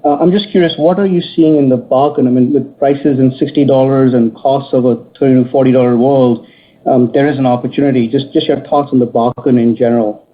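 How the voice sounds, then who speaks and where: Male analyst, mid-pitched, polite, halting, narrow phone sound. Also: fairly even intonation. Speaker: financial analyst asking questions. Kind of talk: conversational earnings call questioning. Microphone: telephone. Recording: narrow tinny phone line.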